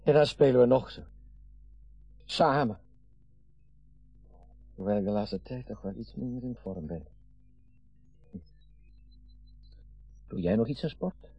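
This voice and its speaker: An actor in his sixties playing a garrulous, meddling, wistful retired father in a radio play, rambling and halting, with sudden emphasis. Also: medium pitch, lively intonation, creaky, mellow, slightly rough, dry recording, highs cut off, faint music behind. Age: 60s. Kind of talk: naturalistic radio drama acting.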